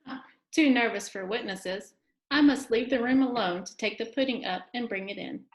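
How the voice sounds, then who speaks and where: A woman playing a proud, sharp-tongued wife and mother in a dramatic storybook reading. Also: on the high side, normal speed, natural voice. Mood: nervous, relieved. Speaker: amateur reader, library staff. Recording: echoey room.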